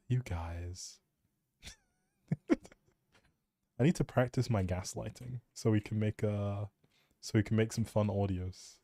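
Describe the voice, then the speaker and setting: Male streamer, soft mellow tone, casual teasing ramble, close dry mic. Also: on the low side, slow pace, pauses often, no room sound. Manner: playful, teasing, thinking aloud. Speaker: live streamer.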